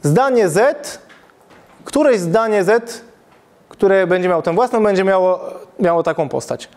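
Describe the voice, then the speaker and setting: Guy in his 30s teaching math in a classroom, kinda high voice, keeps correcting himself and asking "right?". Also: expressive, a little slow, a little mellow. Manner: thinking aloud, frequent self-corrections and "tak?" checks. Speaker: university lecturer. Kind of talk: public math lecture. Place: classroom with chalkboard, indoors.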